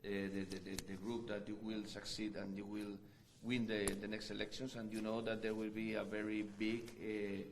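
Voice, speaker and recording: Low monotone guy wrapping up a meeting, lots of uhs, echoey room. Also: moderate pace, a little hiss or hum. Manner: hesitant, many fillers and repeated words. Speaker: meeting chair. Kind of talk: formal closing remarks.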